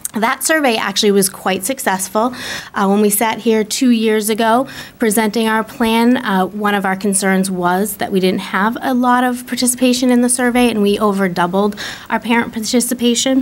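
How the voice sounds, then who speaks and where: A plain, everyday voice with fairly even intonation and very even loudness. The pace is moderate. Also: woman, fairly high pitch for a woman. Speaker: elementary school principal. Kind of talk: public meeting presentation. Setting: school committee meeting room. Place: hall.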